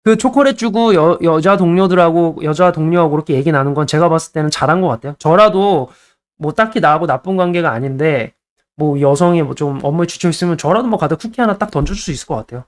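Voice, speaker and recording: Brief: young male host, brisk chatty dating-advice monologue, slightly raised pitch, acts out bits of dialogue. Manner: chatty, playfully acts out little scenes with dialogue.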